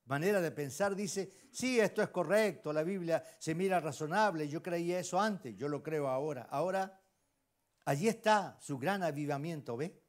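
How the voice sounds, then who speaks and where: Man, Chilean accent, lay preacher, high voice, emphatic sermon, rhetorical questions to the congregation. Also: lively intonation, moderate pace. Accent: Chilean Spanish. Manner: swings between loud exclamations and hushed asides.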